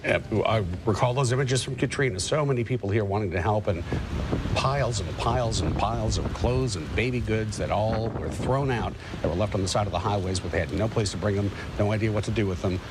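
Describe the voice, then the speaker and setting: A man's voice: on the low side, fairly quick. A man anchoring live storm coverage on the news in unscripted speech. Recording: clear background noise.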